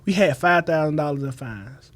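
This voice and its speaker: Young guy, southern black accent, high voice, tells stories real loose n slangy, cusses a lot. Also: normal speed. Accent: Southern Black American. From Mississippi, USA. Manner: slangy, profane, animated storyteller. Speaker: podcast guest, former party promoter. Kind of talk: casual storytelling in conversation.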